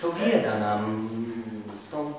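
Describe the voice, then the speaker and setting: A man voicing a scheming older priest in a theatrical verse recitation, swinging between hushed asides and loud exclamations. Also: lowish voice, very animated, slow pace, heavy background noise, voice pushed down. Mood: conspiratorial. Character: scheming older male priest, urgent and conspiratorial. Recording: echoey room from far off.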